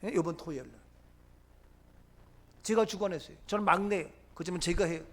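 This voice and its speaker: Middle-aged male pastor, high pitch, emphatic sermon delivery with acted-out quotes. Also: fairly quick. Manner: emphatic preaching, swinging from loud declarations to low murmurs; acts out quoted lines of Jesus and the crowd.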